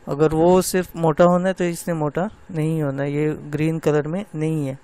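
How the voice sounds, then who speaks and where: A man's voice: a little high, flat delivery, dark tone. A middle-aged man teaching Quran recitation to women, patiently explaining and drawing out letter sounds. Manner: slow drawn-out demonstration of letter sounds; patient, repeats "theek hai" often. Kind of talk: tajweed lesson for women.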